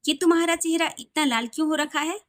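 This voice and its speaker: A woman's voice: high voice, brisk, lightly acted. A woman voicing an earnest, tender and teasing young husband in a romantic audio story.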